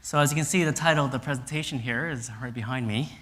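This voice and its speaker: A man's voice: medium pitch, quick pace. A man in his thirties from Canada gives a conference talk, telling stories with energy and acting out quotes on stage. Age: 30s. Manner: energetic, animated storytelling with voiced quotes. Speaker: speaker. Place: stage in a lecture hall. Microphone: clip-on mic.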